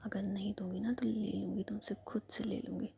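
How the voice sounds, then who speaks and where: A woman's voice: medium pitch, flat delivery, normal speed, creaky, mellow, husky, full character voice. A woman whispering the lines of a teasing, playful young woman who bosses her partner around.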